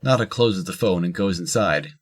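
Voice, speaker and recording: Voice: sits low, moderate pace, slightly rough. A narrator reading scripted descriptions of the action in an audio drama.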